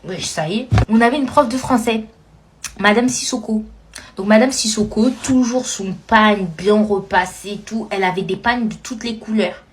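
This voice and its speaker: A woman from France telling a funny personal story in lively, slangy casual speech. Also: medium pitch, normal speed.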